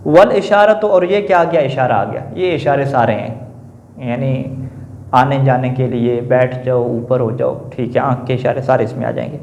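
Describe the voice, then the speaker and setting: A male teacher giving a classroom lecture on grammar, posing questions to the class and answering them himself, often adding a quick confirming filler. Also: mid-range voice, gravelly, darkish tone. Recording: echoey room, dull lo-fi sound.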